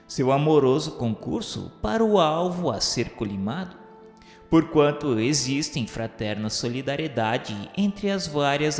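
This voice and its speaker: A man reading the narration of a radio serial in a solemn, measured way, with faint music behind him. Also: medium pitch. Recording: reverberant room with faint music. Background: faint background music.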